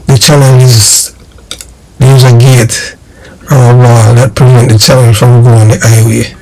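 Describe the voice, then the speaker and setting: Gravelly Jamaican man giving commentary. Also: mid-range voice, flat delivery, unhurried, warm tone, poor audio. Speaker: online channel host and commentator. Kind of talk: direct-to-audience political commentary.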